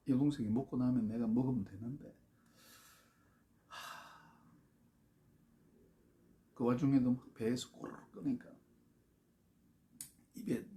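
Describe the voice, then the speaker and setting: A man with a Gyeongsang accent telling a childhood story, halting and full of fillers. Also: medium pitch, warm tone. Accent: Gyeongsang Korean. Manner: halting, with many fillers and restarts. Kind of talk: personal storytelling.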